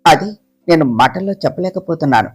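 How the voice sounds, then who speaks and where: A storyteller voicing a tender, anxious young husband in an audiobook romance, speaking softly and earnestly. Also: medium pitch, animated, fairly quick, breathy edge, faint music behind, voice pushed down.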